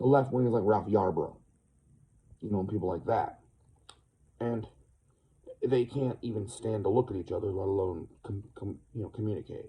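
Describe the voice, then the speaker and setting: Somewhat breathy and dark, mellow in tone, a man speaks at a moderate pace, leaving long, frequent pauses. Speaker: video blogger. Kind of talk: casual monologue. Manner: halting, with many restarts.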